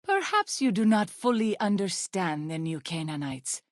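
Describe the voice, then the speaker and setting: An actress playing an earnest, devout tribal midwife and healer in a video game, speaking in formal, measured, reverent phrases. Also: female voice, medium pitch, sing-song, dry recording, studio quality, natural voice. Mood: reverent, explaining. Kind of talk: video game character dialogue.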